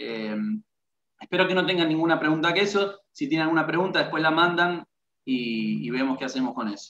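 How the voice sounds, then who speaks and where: Talking at a fairly quick pace, a man with a fairly high voice lets his pitch swing very widely. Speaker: youth ministry teacher. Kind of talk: lecture. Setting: video call. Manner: fast.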